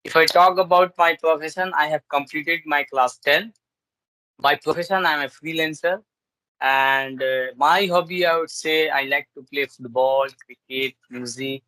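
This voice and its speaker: A man's voice: a little high, steady tone, moderate pace, bright, forceful tone, no echo, poor audio. Hesitant Indian man on a video call. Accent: Indian English. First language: Urdu. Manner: hesitant, many fillers and restarts. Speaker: English learner. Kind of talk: casual video call chat.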